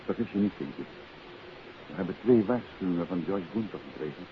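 A man playing a shrewd, urbane detective husband in the expressive manner of 1950s Dutch radio drama. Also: sits low, fairly quick. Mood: pensive, wary. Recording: dull, hissy 1950s radio recording.

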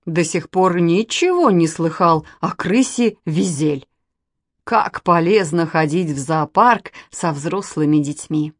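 A woman voicing a mild, polite father who speaks gently and slowly, with a mildly reproachful tone. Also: lowish voice, no echo, clean studio sound. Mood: delighted.

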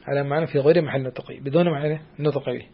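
A man teaching a classical text of Islamic jurisprudence to a student. He talks hesitantly, with many drawn-out fillers and restarts, and keeps checking that the student follows. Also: mid-range voice, fairly even intonation, dull audio, a little hiss or hum.

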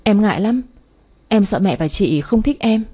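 A woman's voice: mid-range voice, animated, normal speed, warm tone, husky. A woman voicing a shy young woman who answers hesitantly and politely in a storybook reading. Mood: timid.

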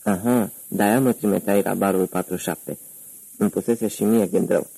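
A man voices a quietly threatening gangster in an audiobook thriller, calm and cold. His delivery is very low and even, with a gravelly, husky texture and a dry sound. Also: dry recording, full character voice, low-quality recording. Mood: menacing. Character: menacing middle-aged male gangster, cold interrogator.

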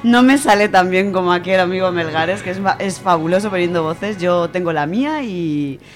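A woman's voice: on the low side, normal speed. A woman with an accent from Spain, chatting casually and reading verse as a radio contributor.

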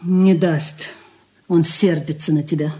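An actress playing a stern married sister who curtly refuses to help, in a radio drama. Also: female voice, deep voice, steady tone, slow, dark tone. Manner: curt, refusing. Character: stern reluctant married sister, middle-aged woman. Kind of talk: 1980s radio drama acting.

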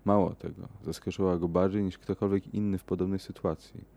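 A deep, gravelly male voice reads a horror story in a measured, unhurried way. The tone is dark and mellow, and he grows hesitant when he talks off script. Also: level tone. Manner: measured, hesitant in the outro with fillers. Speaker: podcast host and reader.

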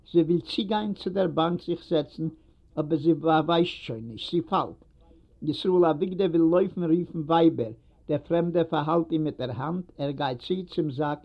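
A man narrating a story in a measured, unhurried reading. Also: fairly high pitch. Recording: dull lo-fi recording.

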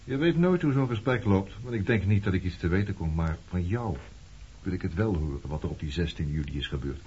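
A man's voice: low-pitched, animated, a little fast, mellow. An actor playing a brooding former resistance man turned skipper, probing and bitter with an old lover in a radio play. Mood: insistent, reproachful. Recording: dull, noisy old radio play recording.

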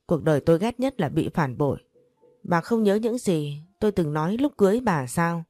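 A woman's voice: on the low side, animated, normal speed, dark tone, no echo, soft background music. A woman narrator voicing a stern older man, the betrayed head of the household, who speaks in a harsh, accusing way. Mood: bitter. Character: stern aging male patriarch, betrayed and cold.

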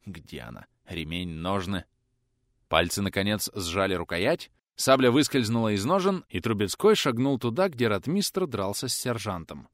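Audiobook narrator, man, tense vivid reading, lively pitch, dry studio sound. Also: moderate pace, no echo.

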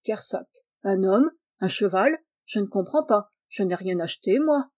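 A woman reading aloud and voicing a bluff, hearty male farmer who talks in gruff exclamations. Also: mid-range voice, animated, unhurried, darkish tone.

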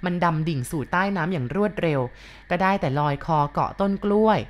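Lady narrating a ghost story, polite, easy pace, lowish voice, little uhs. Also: muffled recording. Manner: polite, unhurried, with soft filler sounds.

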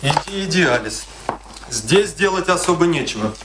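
A man's voice: on the high side, animated, moderate pace, over music, natural voice. An actor playing a restrained, dutiful man in a radio play, speaking in a dry, matter-of-fact way. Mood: guarded. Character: dutiful, restrained male relative of the captain.

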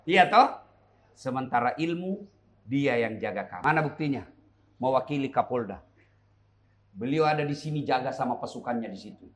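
A man's voice: mid-range voice, animated, normal speed, pauses often. A middle-aged man, preaching a humorous sermon to young people with joking asides and rhetorical questions.

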